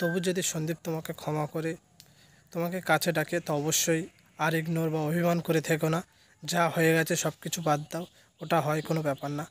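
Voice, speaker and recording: A man speaks in a monotone, flat way. The sound is dry with no echo, over light background noise. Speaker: vlogger. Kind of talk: vlog commentary to viewers. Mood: earnest, pleading, calm. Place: waterside. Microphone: phone near.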